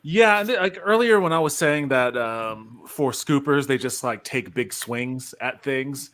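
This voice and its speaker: A man's voice: mid-range voice, a little slow, a bit bright. A man on a live stream panel who talks hesitantly, with many fillers, as he reasons through a point. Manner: hesitant, filler-heavy, thoughtful.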